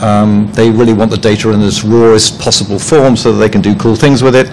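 A man's voice: lowish voice, flat delivery, brisk, darkish tone, slight background noise, rough recording. A man presenting at a professional conference, speaking hesitantly with many ums and restarts, and slipping in dry, self-deprecating jokes. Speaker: conference presenter, head of publishing. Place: conference room.

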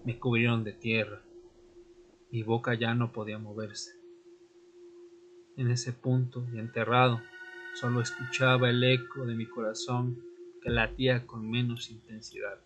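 A man playing a tormented young vampire, narrating an audio drama in the first person with solemn, deliberate, dramatic pauses. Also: mid-range voice, completely flat delivery, a bit bright, lo-fi sound, a little hiss or hum, natural voice. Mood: grave, desperate. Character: Fernando, tormented newly turned male vampire recounting his death. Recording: music bed under the voice.

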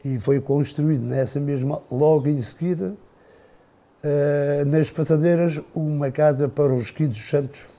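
An older Portuguese man, a podcast guest, slowly recalling his family's past in a halting, unhurried way with many restarts. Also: on the high side, fairly even intonation, dark tone. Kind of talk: casual reminiscing.

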